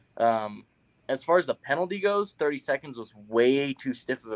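In a normal speaking voice, a man talks at a moderate pace with a fairly high pitch and lively intonation. The sound is dry and close with no echo. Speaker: co-host. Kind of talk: casual chat about motorsports.

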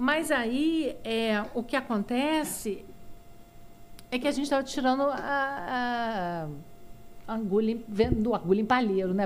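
A woman speaks with lively intonation and a fairly high pitch. It is an ordinary speaking voice. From Brazil. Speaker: astrophysicist and professor. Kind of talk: live interview.

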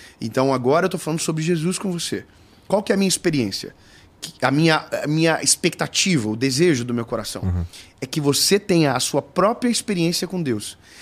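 Here a man has a plain, everyday voice, fairly high in pitch, with lively intonation at a fairly quick pace. The recording is very clean, with a silent background. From Joinville, southern Brazil. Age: 30s. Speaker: evangelist preacher. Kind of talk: casual interview chat.

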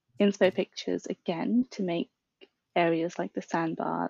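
Speaking at a fairly slow pace, a woman uses a fairly low pitch with a British accent. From UK. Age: 20s. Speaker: hamster owner guest. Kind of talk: casual chat.

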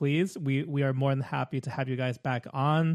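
In a dry, close sound with no echo and a quiet background, a man with a plain, everyday voice talks at a moderate pace, fairly high in pitch, with fairly even intonation. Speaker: podcast host. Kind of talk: interview chat.

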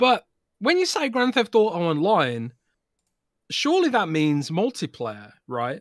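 With an English accent and a high pitch, a man swings his pitch very widely and leaves long, frequent pauses, all in a very clean recording with a silent background. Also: fairly slow pace. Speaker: gaming journalist and podcast co-host. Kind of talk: casual chat.

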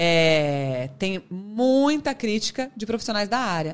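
A woman speaks at a medium pitch with very wide pitch swings. Her recording is very clean and the background silent. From interior of São Paulo state, Brazil. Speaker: fitness instructor and influencer. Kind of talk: casual chat. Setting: studio.

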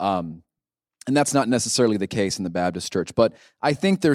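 A man speaks at a medium pitch. The very clean recording has a silent background and a dry, close sound with no echo. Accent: Southern US. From North Carolina, Gastonia. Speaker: novelist. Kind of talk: live author conversation.

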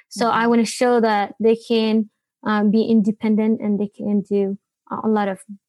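In a dry, close sound with no echo, a woman with a fairly high pitch speaks at a moderate pace in a monotone, flat intonation. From Eritrea, rural village. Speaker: professional runner, college athlete. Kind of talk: interview. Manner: halting.

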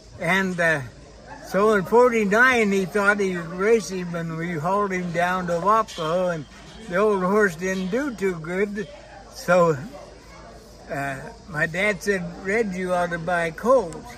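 With an American accent, a man speaks very slowly in a high voice with ordinary pitch variation and long, frequent pauses, against noticeable background noise. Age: 80s+. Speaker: harness racing horseman. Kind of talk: interview. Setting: outdoors at racing event.

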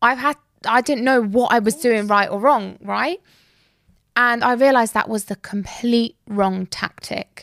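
A woman speaks in a plain, everyday voice at a fairly slow pace with ordinary pitch variation, the sound dry and close with no echo and the recording very clean with a silent background. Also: fairly high pitch for a woman. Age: 20s. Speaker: fitness entrepreneur and trainer. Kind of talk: casual interview chat.

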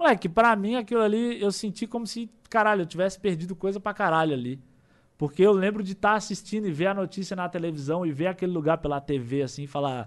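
Against a quiet background, the speaker talks at a very fast pace with lively intonation. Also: man. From Brazil, Ceará (near Fortaleza). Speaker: streamer and gamer. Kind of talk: casual chat. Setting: studio.

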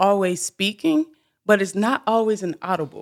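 An unremarkable speaking voice with an American accent, ordinary pitch variation and a fairly slow pace. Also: woman. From Chicago, South Side. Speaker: motivational speaker and mentor. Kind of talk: interview, personal story. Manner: laughs often.

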